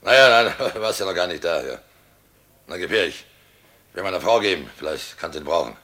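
An actor playing a guilt-ridden, wily village innkeeper, nervous and falsely jovial, in a radio play, with a gravelly, husky voice. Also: male voice, low voice, animated, a little fast, pushed and bright, exaggerated voice. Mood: forced joviality. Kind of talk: German radio play acting.

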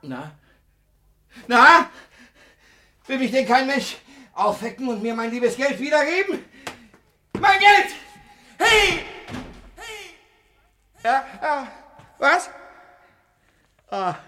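High bright-voiced old miser, slow, stammering and blustery, radio play. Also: male voice, expressive, exaggerated voice. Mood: frantic. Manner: blustering, stammering, cries out in despair. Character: miserly old father, greedy, frantic and suspicious. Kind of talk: classic stage radio play acting.

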